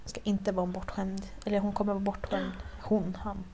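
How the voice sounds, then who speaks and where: A woman's voice: mid-range voice, flat delivery, warm tone. A young woman from Sweden in casual chat, telling a story animatedly, swearing and acting out quoted lines. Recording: faint background noise.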